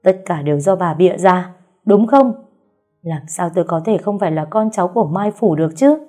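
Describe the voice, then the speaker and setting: A woman voicing a shocked, distraught young man of the household who shouts. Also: fairly low pitch, steady tone, moderate pace, faint music behind, lightly acted.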